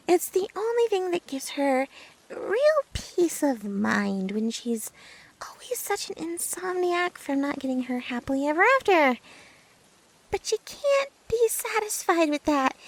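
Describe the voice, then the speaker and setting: A woman playing a nervous, lovesick and obsessive young female best friend in an ASMR roleplay, stammering haltingly as if confessing. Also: high-pitched, creaky, heavily acted, low-quality recording. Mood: yearning, obsessive.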